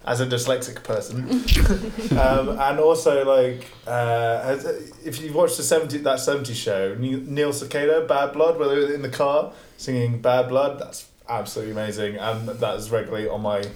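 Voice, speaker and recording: A man's voice: mid-range voice, normal speed, few pauses, a little mellow. A man cohosting a casual podcast, eager and chatty, laughing easily. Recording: echoey room.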